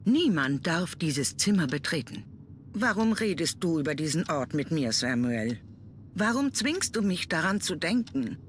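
A woman's voice: sits low, sing-song, unhurried, a little hiss or hum. An actress voicing an old, withdrawn noblewoman in a game dub, sorrowful and brittle. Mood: pained. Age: older.

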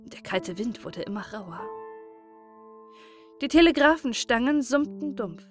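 Woman audiobook narrator, calm and expressive, slightly high voice; faint music underneath. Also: measured pace. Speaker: storyteller.

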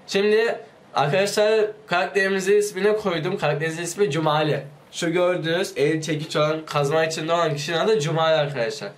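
Man, high voice, sick and strained, excitable let's play commentary, yells at his character. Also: fast talker. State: sick, voice may give out. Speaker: gaming YouTuber.

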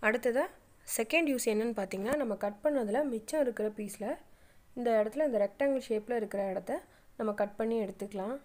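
A woman's voice: on the high side, fairly quick, a little mellow. A middle-aged woman, narrating a step-by-step sewing tutorial with plain, patient instructions. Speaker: craft channel host.

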